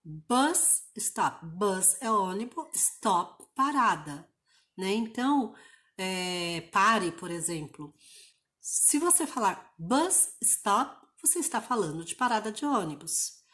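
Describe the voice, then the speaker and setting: A woman from Brazil teaching English online, walking learners through each rule with patient explanations and carefully repeated example words. She speaks at an unhurried, deliberate pace in a mid-range voice. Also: mid-range voice, sing-song, sharp tone.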